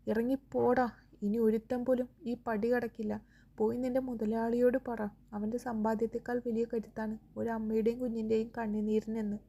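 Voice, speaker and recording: A woman's voice: on the high side, flat delivery, a little fast, vocal fry, dark tone. A woman reading the lines of a brave young man who protects his family and teases the woman he loves, in an audio romance story. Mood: fierce. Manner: playful and tender.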